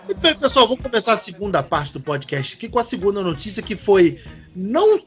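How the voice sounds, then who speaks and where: Animated high-voiced man hosting. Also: brisk, muffled recording, over music. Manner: animated, swears casually, restarts words. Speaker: podcast host. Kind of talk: casual podcast chat.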